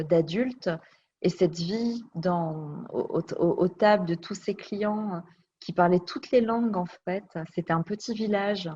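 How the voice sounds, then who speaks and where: A woman with a fairly low voice looks back on her life in an interview, thoughtful and searching for the right words as she goes. The sound is dull and a little lo-fi. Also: a little mellow. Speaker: interview guest. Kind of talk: personal storytelling interview. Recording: dull lo-fi recording.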